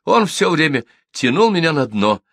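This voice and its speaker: A man's voice: a little high, sing-song, moderate pace, a bit bright, no room sound, studio quality, voice pushed up, exaggerated voice. A man voicing a tearful, frightened young village girl who talks in a pleading, breathless way.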